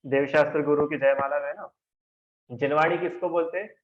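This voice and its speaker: A man's voice: fairly high pitch, fairly even intonation, fairly quick. Man teaching in questions and answers. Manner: argues in rhetorical questions and answers, quizzes students by name. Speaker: religion teacher. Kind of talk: class lecture. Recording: roomy, dull lo-fi recording.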